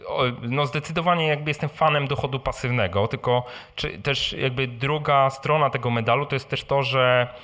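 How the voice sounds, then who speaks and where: A man's voice: mid-range voice, steady tone, normal speed, few pauses, pushed and bright. A man hosting an informal live question session, explaining things conversationally and often adding short tag questions. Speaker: host answering audience questions, blogger. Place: live event with audience and microphones.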